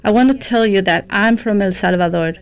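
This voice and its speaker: A woman reading a listener's letter aloud on a radio program in a warm, heartfelt way. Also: medium pitch, a little fast, clear, resonant tone.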